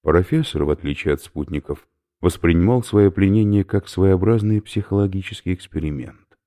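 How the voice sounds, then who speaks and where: A man narrating an audiobook in a measured, expressive reading. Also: low voice.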